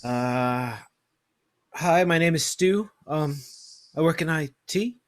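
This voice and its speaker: A woman's voice: low-pitched, animated, slow pace. A woman playing a meek, awkward IT worker, hesitant and mild, in a comedy table read.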